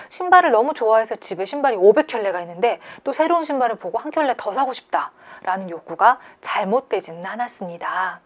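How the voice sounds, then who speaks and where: A woman giving a calm, explanatory lecture on creativity to an online audience, often posing questions to her listeners. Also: mid-range voice.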